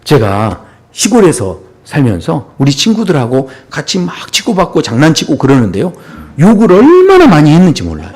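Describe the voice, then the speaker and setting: A male pastor delivering a Sunday sermon with a lively, swinging pitch and a voice that sits a little high for a man. He talks conversationally and with humor, often pausing for short asides to the congregation.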